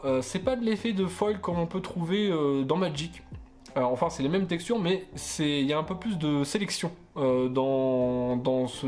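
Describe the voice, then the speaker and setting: A man's voice: on the high side, darkish tone. A man casually chatting while opening trading card boosters, hesitant with many fillers and self-corrections, stumbling over English card names. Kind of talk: casual booster unboxing chat.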